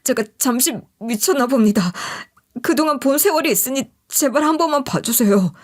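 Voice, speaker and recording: A woman's voice: sits high, lively intonation, normal speed, voice pushed up. A woman voicing a disgraced, vengeful office manager in an audio story, aggrieved, wordy and pleading. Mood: begging.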